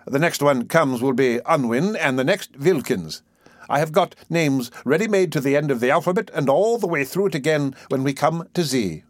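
A man's voice: a little high, lively intonation, dry recording, studio quality, pitched above the performer's own voice, lightly acted. A man doing a pompous parish beadle. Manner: pompous and stately, drawn-out words. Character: pompous self-important male parish beadle, middle-aged. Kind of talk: audiobook character voice.

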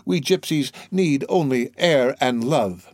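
A man's voice: mid-range voice, expressive, slow pace, darkish tone, no echo. A man voicing a passionate young gypsy girl in an audiobook, imploring and devoted in archaic words. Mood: pleading, submissive.

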